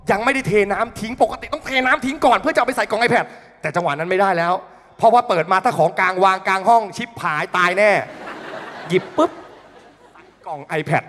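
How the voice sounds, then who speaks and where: A young man doing stand-up, telling an animated, profane story full of sound effects. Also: very high voice. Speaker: comedian. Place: studio stage. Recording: long reverb in a studio hall.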